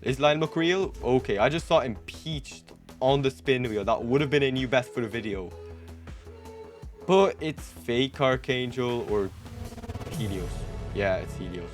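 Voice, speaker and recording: A man's voice: mid-range voice, measured pace. A young adult man giving casual gameplay commentary to camera as the host of a gaming video. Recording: music behind the voice.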